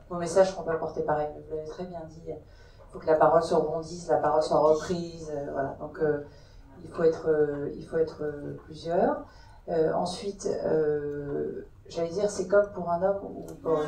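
A woman's voice: sits low, gravelly, dark tone, slight background noise. A woman panelist at a round-table discussion, speaking hesitantly with many restarts into a handheld mic. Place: large conference hall. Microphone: handheld mic, filmed from far. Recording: echoey hall from far off.

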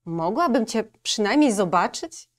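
A woman voicing a small, eager and adventurous girl in a children's storybook reading, with high, excited exclamations. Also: a little slow, natural voice.

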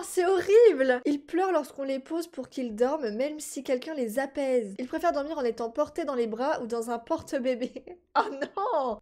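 A young woman giving casual, animated commentary on her life-simulation game, cooing and exclaiming as she plays. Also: high voice. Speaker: gaming streamer. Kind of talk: casual let's-play commentary.

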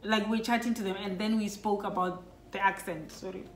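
A woman's voice: mid-range voice, steady tone, brisk. A middle-aged woman from Lesotho telling a personal story to her children, casual and reflective, with many fillers. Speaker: vlogger talking with her children. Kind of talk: casual family chat. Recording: roomy echo with faint background music.

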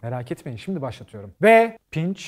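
A man opens a comedy talk show with a rapid, stand-up style monologue. His voice sits a little high and leaps around in pitch. He goes from loud punchlines to low, grumbling asides and swears freely. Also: heavy background noise. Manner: loud, animated, swears freely, swings from shouting to quiet asides.

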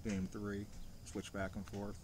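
A man's voice: on the low side, monotone, takes it slowly. A man in his forties chatting casually to camera with a pipe in his mouth, outdoors on a back porch. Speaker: pipe vlogger. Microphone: camera at about arm's length. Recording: noisy home video.

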